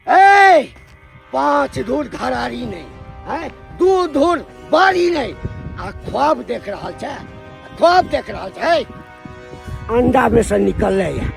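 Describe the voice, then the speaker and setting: An actor playing a proud, angry old rich father with a Maithili accent, boastful and shouting threats. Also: extremely high pitch, gravelly, heavily acted. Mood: scornful. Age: older.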